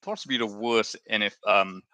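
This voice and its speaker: Male streamer, low-ish clear voice, dry close sound, chatty and rambling. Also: moderate pace, pushed and bright, dry recording. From Malaysia. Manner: chatty, rambling, self-correcting. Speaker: live-stream host. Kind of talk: casual watchalong chat.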